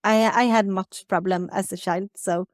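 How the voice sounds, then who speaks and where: A Swedish woman in her thirties, a native Swedish speaker, talks haltingly in English as an interview guest, searching for words. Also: mid-range voice, fairly even intonation, no echo, clean studio sound. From Sweden. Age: 30s. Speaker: guest, spiritual advisor. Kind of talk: conversational interview.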